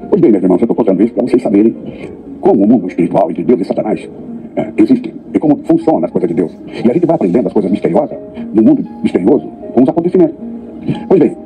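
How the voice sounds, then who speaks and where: A man from Brazil, older, preaching a testimony as a pastor, telling his story with animated storytelling and acting out the voices of others. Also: fairly low pitch, phone-quality sound.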